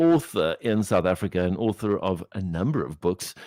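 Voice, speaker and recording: A man's voice moves through very wide pitch swings in a dry, close sound with no echo. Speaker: radio breakfast show host. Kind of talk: radio show hosting. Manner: upbeat.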